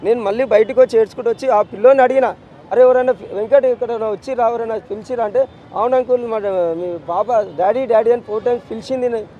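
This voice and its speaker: A man's voice: very high voice, steady tone, quick pace, mellow, highs cut off, slight background noise. A middle-aged man with a Telangana Telugu accent, a bereaved father giving a street news interview, anguished and insistent as he repeats his demands. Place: outdoors on a city street.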